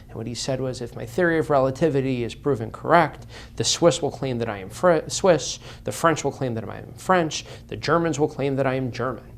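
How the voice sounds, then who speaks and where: A man's voice: mid-range voice, gravelly. A man speaking as an interview guest, earnest and impassioned, repeating phrases for emphasis.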